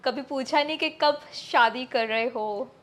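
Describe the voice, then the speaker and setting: A woman interviewer asking unhurried questions, moving between English and Hindi. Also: high voice, fairly bright tone.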